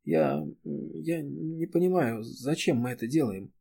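A man's voice: a little high, gravelly, warm tone. A male reader voicing a distressed young woman who falters and sobs as she pleads. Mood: hesitant worry. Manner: pleading, halting, breaking into sobs. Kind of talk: audiobook character reading.

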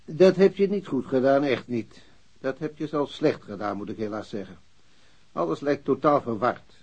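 A senior police chief in a radio drama. His husky voice moves around a lot in pitch as he talks down to a subordinate, formal yet hesitant and patronizing. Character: senior police chief, awkwardly breaking bad news to subordinate.

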